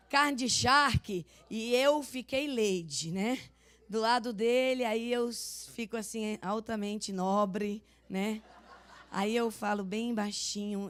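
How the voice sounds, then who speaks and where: An older woman pastor from Northeast Brazil with a Northeastern accent, preaching and telling animated stories. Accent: Northeastern Brazilian Portuguese. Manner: animated storytelling, loud booming laugh; acts out voices of people in her stories. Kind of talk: sermon.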